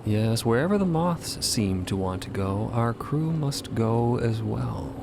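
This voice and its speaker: A man narrating an improvised fiction podcast in a deliberate, descriptive way. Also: mid-range voice, expressive, gravelly, noisy background.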